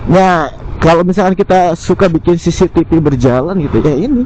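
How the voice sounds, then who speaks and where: A man's voice: a little high, a little fast. A man giving a casual, slangy, unscripted gear review, thinking aloud as he rides, talking into a helmet intercom mic. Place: outdoors on a motorcycle, inside a helmet. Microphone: helmet intercom microphone. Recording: muffled helmet intercom mic, loud vehicle noise. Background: road and engine noise.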